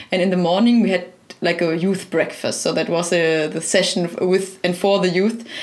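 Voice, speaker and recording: Noticeable background noise sits behind a woman speaking at a medium pitch. Her pace is moderate, her loudness very even and her intonation fairly even. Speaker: podcast host. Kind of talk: casual podcast conversation.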